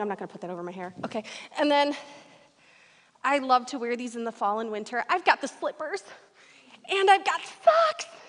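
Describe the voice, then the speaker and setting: At a moderate pace, a woman talks in a Michigan accent. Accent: Michigan Midwestern American. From US Midwest, Metro Detroit, Michigan. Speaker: pastor. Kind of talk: sermon.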